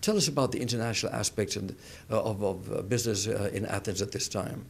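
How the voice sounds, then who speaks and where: A man's voice: on the low side, fast talker, vocal fry. Formal male TV interviewer. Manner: formal, polite phrasing with "sir" and occasional "uh". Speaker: TV show host, interviewer. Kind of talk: TV interview questions.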